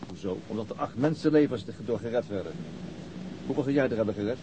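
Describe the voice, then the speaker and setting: A man's voice: mid-range voice, animated, quick pace, noisy background, close to an everyday voice. An actor playing a level-headed police detective and father in a naturalistic radio drama, with a dry, matter-of-fact and slightly hesitant manner.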